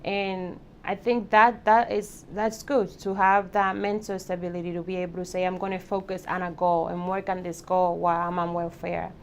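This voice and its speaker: A woman's voice: fairly low pitch, flat delivery, moderate pace, few pauses, slight background noise. A woman from the Dominican Republic, speaking reflectively with hesitant restarts in a documentary interview.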